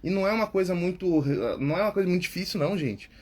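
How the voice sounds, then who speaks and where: A Brazilian man coaching public speaking in a relaxed lesson, his voice a touch husky and pitched somewhat high for a man. He hammers key words through repetition and keeps checking in with his listener at the end of phrases. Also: rapid-fire. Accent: Brazilian Portuguese. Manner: repeats key words, ends phrases with tag questions. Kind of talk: casual instructional talk.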